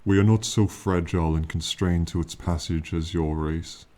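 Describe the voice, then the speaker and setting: An ancient, proud dragon speaks , played by a man, in a very deep, dark voice with little rise or fall. The manner is solemn and condescending, with archaic phrasing suited to a fantasy ASMR roleplay. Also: fairly even intonation, lightly acted. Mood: detached, solemn. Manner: slow, solemn, archaic, condescending speech to a mortal. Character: ancient, proud, aloof male dragon companion. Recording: faint rain noise behind. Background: rainfall ambience.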